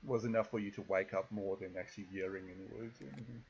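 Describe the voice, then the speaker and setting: A man with a South African accent narrating a tabletop game as game master in a relaxed, loose way with many fillers. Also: low voice, fast talker, creaky, muffled recording, a little hiss or hum.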